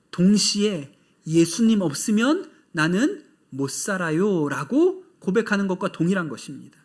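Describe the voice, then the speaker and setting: Male pastor, sermon delivery, high pitch, earnest and conversational. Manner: earnest and conversational, repeating key phrases for emphasis.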